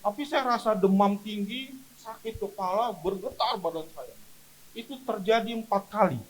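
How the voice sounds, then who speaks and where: A man's voice: high voice, normal speed, slight background noise, poor audio. A man preaching a sermon as pastor at a church service, telling stories with emphatic delivery.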